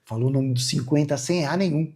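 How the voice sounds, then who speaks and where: A man's voice: fairly high pitch, fast talker, darkish tone. A man, a hypnotherapist guest, telling long rambling anecdotes in a casual interview, tagging his sentences with "né?". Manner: rambling anecdotal, frequent "né?" tags.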